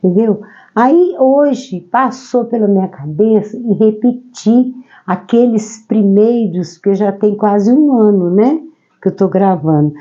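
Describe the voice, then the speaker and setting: A woman from Brazil, hoarse from a cold, gently explaining a Gospel passage verse by verse. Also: medium pitch, lively intonation, a little slow. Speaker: Bible teacher. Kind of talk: devotional Gospel commentary. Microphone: own microphone. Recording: slightly dull lo-fi recording.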